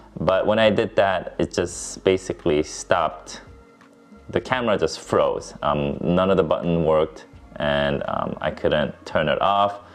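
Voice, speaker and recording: Over background music, a man talks at a moderate pace. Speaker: photographer. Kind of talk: casual talk to camera. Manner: halting, some stuttering.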